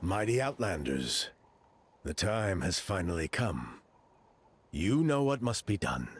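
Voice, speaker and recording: A man playing a solemn, dignified old tribal elder in a video game, with a grave, measured manner. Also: sits low, very animated, husky, exaggerated voice. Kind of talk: game character dialogue.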